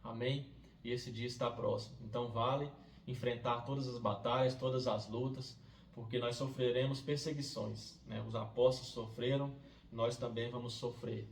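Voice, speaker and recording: A man reading a Bible passage aloud and then reflecting on it as a devotional host, in a steady reading manner that turns quiet and conversational. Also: mid-range voice, normal speed, vocal fry. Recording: roomy, distant from the mic, faint hiss.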